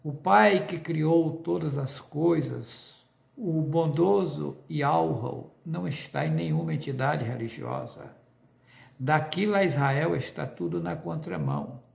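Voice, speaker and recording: A man's voice: on the high side, animated, slow pace, vocal fry, a little mellow, roomy sound. A man with a Brazilian accent preaching an insistent religious monologue to viewers, full of rhetorical questions.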